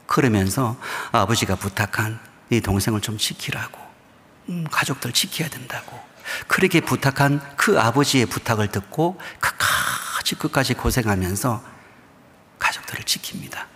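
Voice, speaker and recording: A middle-aged pastor from Busan with a Gyeongsang accent, telling a story during a sermon and often dropping to a hushed near-whisper. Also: male voice, medium pitch, lively intonation, moderate pace. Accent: Gyeongsang dialect. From Busan, South Korea. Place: church sanctuary. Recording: long reverb of a church hall.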